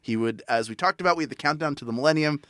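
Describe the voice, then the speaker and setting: A man's voice: on the high side, rapid-fire, sharp tone, dry recording, studio quality. A man hosting a podcast, talking casually as he recounts history and puts questions to a panel. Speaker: podcast host.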